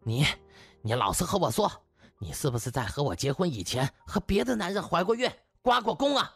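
Man acting hot-tempered husband, audiobook drama, accusatory rant, crude, husky, very animated pitch. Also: fairly quick, no room sound, soft background music, full character voice. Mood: suspicious, accusing. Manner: ranting, accusing, swearing.

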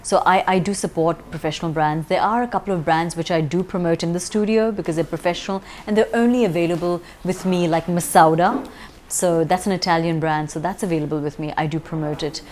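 A woman's voice: on the low side, steady tone, a little fast, darkish tone, a little hiss or hum. A woman in her forties, a makeup artist and salon owner, answering interview questions in a chatty way with frequent ums and restarts, recorded on a lapel mic in an indoor studio.

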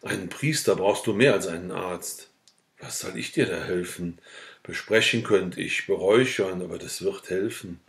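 A man's voice: low voice, normal speed, vocal fry, fairly bright tone, roomy sound. A man reading the lines of a blunt, earthy old village woman who speaks in a scolding, matter-of-fact way.

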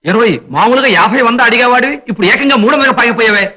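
A man's voice: extremely high pitch, rapid-fire, sharp tone, full character voice. An actor playing a stern, fond older father who scolds and commands the family. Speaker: father of the household. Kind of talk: 1980s Telugu film acting.

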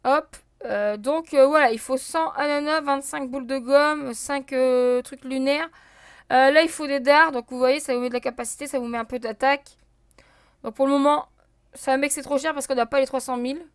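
High-voiced woman narrating her gameplay. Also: normal speed, dry recording, clean studio sound. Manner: chatty, thinks aloud with many fillers, talks to viewers; counts and checks items out loud. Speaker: let's play host. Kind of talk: casual gameplay commentary.

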